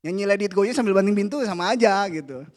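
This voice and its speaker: A man, preaching a casual, playful youth sermon that drops to a hush for the prayers. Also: sits high, animated, very fast. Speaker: youth pastor. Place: church hall.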